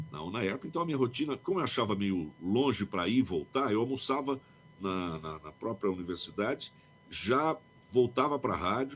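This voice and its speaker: The speaker is a man with a medium pitch. He talks at a moderate pace with very wide pitch swings. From Ituverava, São Paulo state, Brazil. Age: 60s. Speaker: radio announcer. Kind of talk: interview answer. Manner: casual, reminiscing.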